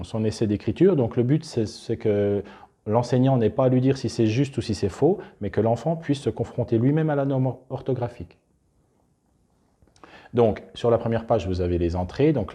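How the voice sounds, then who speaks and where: Man, lowish husky voice, deep dark tone, talking through a hands-on classroom demo. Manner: unscripted, restarts, talks while handling materials. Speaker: presenter demonstrating a teaching method. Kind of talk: explanatory demonstration.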